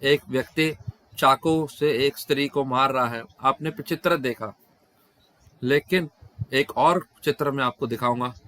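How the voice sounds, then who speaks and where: A man's voice: medium pitch, a little slow, a bit bright. A man interpreting questions and answers at a devotional scripture class over an online video call, often breaking off and restarting words mid-phrase.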